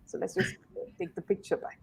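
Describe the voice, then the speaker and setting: A woman's voice: brisk, slight background noise. Woman hosting a chatty commentary. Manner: many fillers and "you know"s. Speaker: host. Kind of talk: casual commentary chat.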